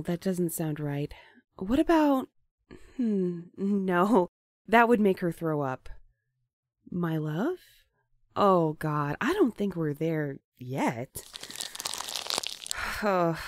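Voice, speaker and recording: A hesitant, gentle romantic, dry sound. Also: female voice, on the low side, no room sound. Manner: hesitant, thoughtful, awkward. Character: hesitant, romantic, gentle young woman courier Clementine. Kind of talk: audio drama acting.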